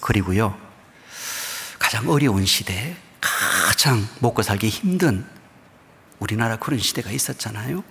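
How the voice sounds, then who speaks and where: A middle-aged man with a Gyeongsang accent preaches in a low voice. He tells a story and often sinks into a soft, hushed near-whisper. His words ring out with the long echo of a church hall. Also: expressive, measured pace, vocal fry. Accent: Gyeongsang dialect. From Busan, South Korea. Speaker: pastor. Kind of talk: sermon. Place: church sanctuary.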